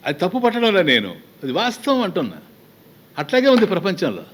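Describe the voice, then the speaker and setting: A man's voice: sits high, wildly swooping pitch, a little fast. A man with a Telugu accent giving a spiritual discourse as a swami, talking conversationally with many rhetorical questions and acted-out little exchanges.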